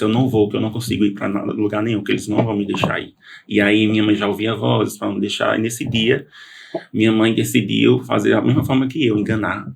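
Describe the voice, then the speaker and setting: Gravelly low-voiced man telling his testimony. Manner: earnest storytelling with many restarts. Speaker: interview guest. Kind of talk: testimony in a podcast interview.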